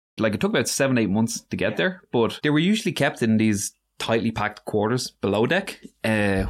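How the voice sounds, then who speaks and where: In a very clean recording with a silent background, a man talks fairly quickly with an Irish accent. His pitch sits in the middle range and varies in an ordinary way. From Ireland. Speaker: podcast co-host. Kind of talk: casual chat.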